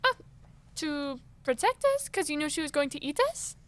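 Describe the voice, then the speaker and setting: A woman's voice: high-pitched, big pitch swings, normal speed, fairly bright tone. A woman playing a naive, chatty, polite girl in a comic radio play, casual and wide-eyed. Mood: alarmed. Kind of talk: comedic audio drama acting.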